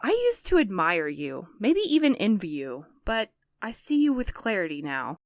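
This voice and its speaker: A woman's voice: medium pitch, sing-song, normal speed, dry recording, studio quality, close to an everyday voice. A woman in an audio drama playing a bitter, guarded courier, hurt and sarcastic. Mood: bitter, scornful. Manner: sarcastic, cutting.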